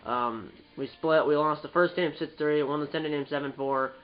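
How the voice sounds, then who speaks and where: A man's voice: a little high, steady tone, normal speed, dull audio. Stuffed-up young man rambling over gameplay. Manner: rambling, restarts and fillers, self-correcting. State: stuffed up, nasal. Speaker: gaming channel host. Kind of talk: casual gameplay commentary.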